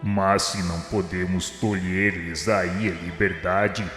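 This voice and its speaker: An actor playing Jesus in a radio drama as a grave, merciful divine master, speaking in measured, formal oratory. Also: male voice, low voice, level tone. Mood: solemn, grave. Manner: measured, solemn, preaching declamation. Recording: echoey reverberant hall sound, music underneath. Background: music.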